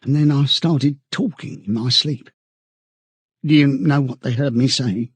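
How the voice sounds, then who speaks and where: A man's voice: mid-range voice, a little slow, breathy edge, no echo. A man voicing a frightened, servile, middle-aged party loyalist in an audiobook, stammering and eagerly chummy. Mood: sanctimonious, eager. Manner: stammering, chummy old-fashioned British chap talk, sententious.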